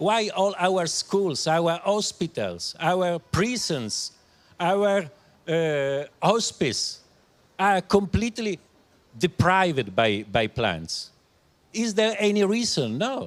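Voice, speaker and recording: A man with a non-native accent talks at a very slow pace. His high pitch moves with lively intonation. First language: not English. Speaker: plant scientist, professor. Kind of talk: panel talk answering audience questions. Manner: halting, frequent repetitions.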